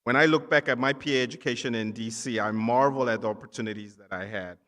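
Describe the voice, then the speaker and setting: A man who grew up in Nigeria addresses students from the stage in a mid-pitched voice. He encourages them with emphatic phrases broken by short pauses. The sound carries the long reverb of a large hall. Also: fairly bright tone. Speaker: keynote speaker, physician assistant. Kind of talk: ceremony keynote speech to students. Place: large indoor hall at a ceremony.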